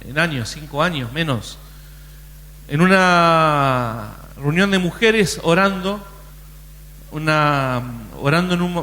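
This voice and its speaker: A man's voice: fairly high pitch, fairly bright tone, in a large hall. A man preaching a sermon in a conversational way, often restarting his sentences. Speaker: pastor.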